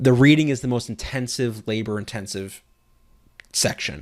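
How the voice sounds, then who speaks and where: A plain, everyday voice, this man talks at a moderate pace and medium pitch with lively intonation on a very clean recording with a silent background. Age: 30s. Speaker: test prep tutor. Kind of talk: live stream Q&A. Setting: live stream. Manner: casual, conversational with fillers.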